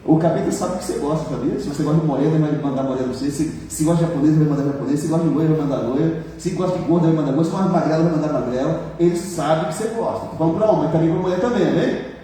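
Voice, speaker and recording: A man's voice: fairly high pitch, very fast, warm tone, slight background noise. A Brazilian man preaching a sermon as pastor, colloquial and joking, building to emphatic exhortation. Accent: Brazilian Portuguese. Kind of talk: sermon with personal testimony. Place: church hall. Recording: echoey church hall from far off.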